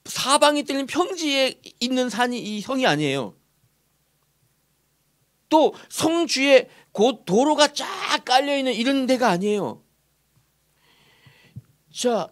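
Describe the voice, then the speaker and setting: A male pastor preaching a sermon in a church sanctuary, animated and often asking the congregation questions. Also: very high-pitched.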